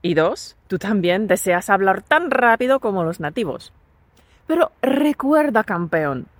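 A woman from talks through a prepared lesson at a close mic, calm and deliberate, and she cheers the listener on. The recording is dry, with no room sound around her voice. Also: medium pitch, dry recording. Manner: calm, clear and deliberate, encouraging. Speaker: Spanish teacher and podcast host. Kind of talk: scripted lesson narration.

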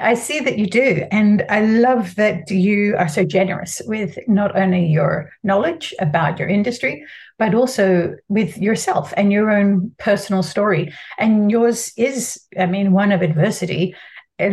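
A woman's voice: mid-range voice, normal speed, a little mellow. A woman hosting a podcast interview, upbeat and chatty, who laughs easily. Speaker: podcast host.

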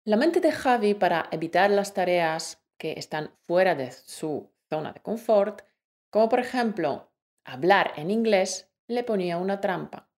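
A woman co-hosting a language-learning podcast, explaining in a clear, measured teaching voice. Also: medium pitch, expressive, darkish tone. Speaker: co-host of a Spanish-learning podcast.

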